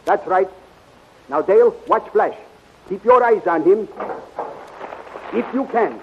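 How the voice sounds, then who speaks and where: An actor playing a patient, fatherly scientist-inventor in a 1930s radio serial, speaking in a measured, formal way. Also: sits high, expressive, heavily acted. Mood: patient, assured. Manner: measured, formal, avoids contractions. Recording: tinny, narrow, noisy 1930s radio recording.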